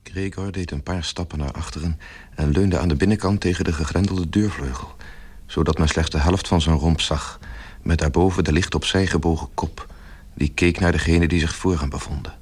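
A man's voice: low-pitched, fairly even intonation, normal speed, husky. A man giving scripted literary narration as the narrator of a radio play. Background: music.

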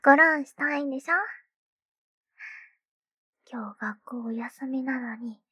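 Actress as a doting, teasing schoolgirl sister in an ASMR roleplay; slow, bright, airy whispering. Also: high voice, breathy edge, no echo, studio quality, heavily acted. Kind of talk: ASMR roleplay with ear cleaning.

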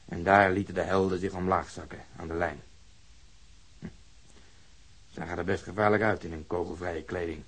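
Radio drama detective: cynical, sardonic, lowish husky voice, dry delivery. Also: male voice. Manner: dry, sarcastic, drawn-out emphasis.

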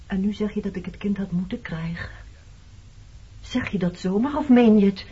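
A woman's voice: mid-range voice, moderate pace, warm tone, slight background noise, natural voice. An actress playing a hurt, resentful woman accusing her former lover in a Dutch radio play. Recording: muffled old radio recording.

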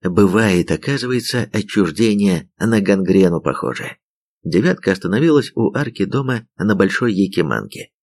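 Male audiobook narrator, low voice, even and wry delivery. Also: normal speed. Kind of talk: scripted narration.

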